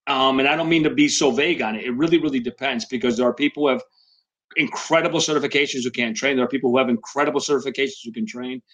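A man explaining things in a measured way during a casual chat on an online call. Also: mid-range voice, steady tone, a bit bright, dull audio.

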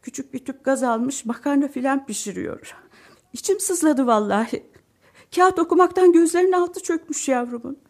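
A woman's voice: sits high, expressive, moderate pace. An actress playing an emotional, chatty middle-aged mother in a radio drama who swings between sighs and outbursts. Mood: worried. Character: fretful, warm-hearted middle-aged mother.

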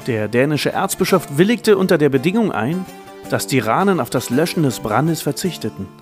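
Ein Mann spricht als Erzähler einen vorbereiteten dokumentarischen Text. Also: male voice, on the high side, big pitch swings, normal speed, faint music behind. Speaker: narrator. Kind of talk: scripted documentary narration.

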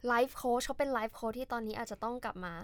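A quick-talking woman co-host with a fairly high voice, chatting through political news in a lively, storytelling way. Her voice is close and dry with no room echo. She sounds like an academic talking casually on a talk show.

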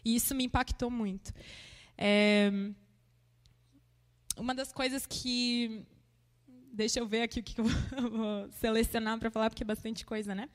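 A woman with a slightly high voice tells a personal faith testimony, emotional and chatty, often checking in with her listeners. The sound is reverberant, with a long tail as if in a large hall. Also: flat delivery, measured pace, long pauses. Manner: emotional and conversational, with frequent tag questions. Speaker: church member giving a testimony.

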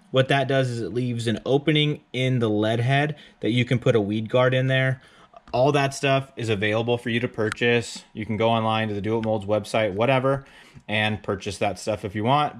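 A man hosting a fishing show, talking casually through a how-to with chatty fillers and repeats. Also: mid-range voice. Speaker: fishing podcast host.

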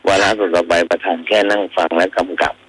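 Fast-talking low-voiced man explaining law. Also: steady tone, a crowd in the background, rough recording. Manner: quick, lecturing, advises and sums up plainly. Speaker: prosecutor guest. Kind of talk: expert explaining law on radio.

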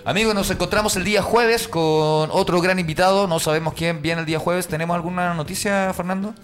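A man's voice: sits high, steady tone, fairly quick, a bit bright, soft background music. A man hosting a casual comedy radio show, chatting in a joking, teasing, rambling way. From Mexico. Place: online radio studio.

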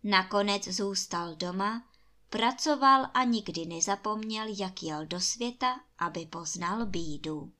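A woman reads a fairy tale aloud to children, telling it calmly and at a measured pace. Her tone is bright and forward, and she eases toward a soft bedtime close. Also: medium pitch. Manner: calm, measured storytelling. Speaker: storyteller. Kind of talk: children's bedtime story reading.

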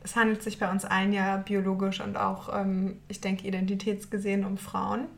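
A woman's voice: mid-range voice, completely flat delivery, moderate pace, gravelly. A young woman co-hosting a casual podcast, chatting and mixing English words into German. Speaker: podcast co-host. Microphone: home podcast mic.

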